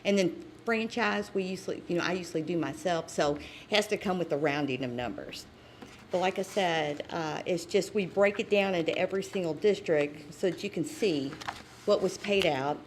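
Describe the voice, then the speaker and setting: A woman's voice: on the low side, moderate pace, slight background noise. A woman from a sheriff's office presenting tax figures at a public meeting, chatty and plain, with some stumbles. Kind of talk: informal report at a public meeting.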